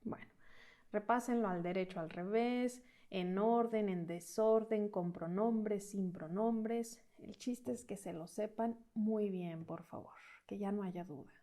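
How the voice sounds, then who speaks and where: A woman's voice: mid-range voice, mellow. A woman teaching an online Italian lesson, patiently drilling verb forms. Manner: slow, patient drilling of conjugations.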